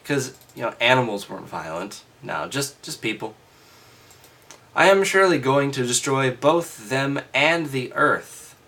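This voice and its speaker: A man with a halting, freshly woken delivery, reading aloud casually and breaking off for wry, skeptical commentary. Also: mid-range voice, lively intonation, pushed and bright. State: just woke up.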